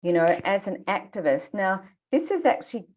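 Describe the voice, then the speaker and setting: A woman with a mid-pitched voice moderates an online panel. She keeps things moving, encouraging guests and steering with open questions. She is heard over a video-call mic. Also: sing-song, moderate pace.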